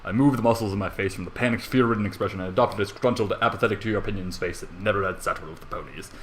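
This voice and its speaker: Reading fan fiction from his bedroom, a young amateur narrator goes off on rambling, self-deprecating, sweary tangents. His lowish voice moves very fast, and a slight hiss or hum sits under the recording.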